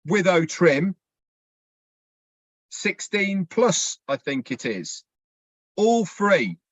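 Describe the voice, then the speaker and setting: A man's voice: high-pitched, sing-song, drawn-out words, dry recording, highs cut off. A man presenting on an online business chat, persuading his audience with rhetorical questions. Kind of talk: promotional talk to an audience.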